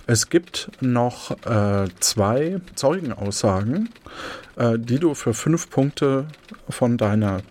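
A man's voice: mid-range voice, darkish tone. A man acting as game master, casually explaining a mystery role-playing game in a hesitant, explanatory way.

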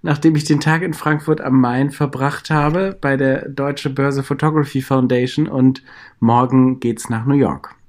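Male podcast guest from France, fluent, brisk delivery. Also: medium pitch, fairly even intonation, a little mellow. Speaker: podcast guest, documentary maker. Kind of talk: casual interview chat.

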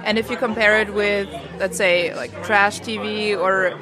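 A woman scholar answers interview questions in a casual way. Her medium-pitched voice is raised over a clearly audible crowd at a noisy evening event. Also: steady tone, measured pace, over music. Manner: speaking up over loud event noise. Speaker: science fiction scholar interviewed. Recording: noisy crowd, city sounds.

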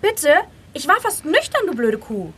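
A woman's voice: high voice, huge pitch swings, moderate pace, a bit bright, exaggerated voice. A woman voicing a quarrelsome tourist who argues in an outraged way. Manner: outraged, argumentative.

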